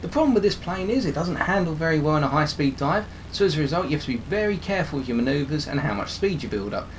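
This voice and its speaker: A man commentating over his own game footage, slightly hoarse as he is losing his voice, explaining tactics with frequent restarts. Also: fairly high pitch, expressive, fast, slight background noise. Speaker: gameplay commentator.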